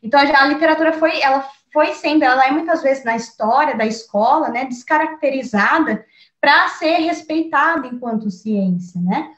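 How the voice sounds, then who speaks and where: A Brazilian woman, a teacher and researcher appearing as a guest, thoughtfully explains her teaching approach in a conversational interview, full of fillers and restarts. Her voice sits high and a bit bright, at a moderate pace. The recording is muffled, with a roomy sound.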